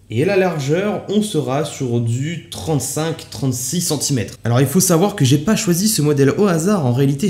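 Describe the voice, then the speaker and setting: A man's voice: a little high, a little mellow. A man hosting an upbeat, enthusiastic product unboxing review on his channel. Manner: enthusiastic, upbeat salesy delivery. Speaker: YouTube tech reviewer.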